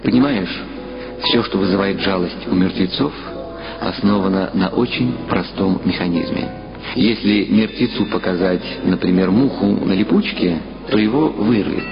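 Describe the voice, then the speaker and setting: A man's voice: low-pitched, moderate pace, voice pushed down. Man as a sardonic mentor, music behind. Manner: detached, dry, didactic. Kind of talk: literary audio drama dialogue. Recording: dull lo-fi sound under loud music. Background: loud music.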